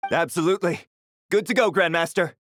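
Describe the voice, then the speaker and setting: A man's voice: high voice, fairly quick, natural voice. A man playing an earnest, obedient knight in a video game, reporting in a businesslike way. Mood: eager. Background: game music.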